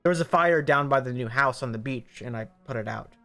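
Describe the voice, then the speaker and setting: A man's voice: medium pitch, fairly quick, bright, forceful tone, soft background music. Male narrator as stern, troubled youth in an audio story, terse and insistent. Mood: guarded.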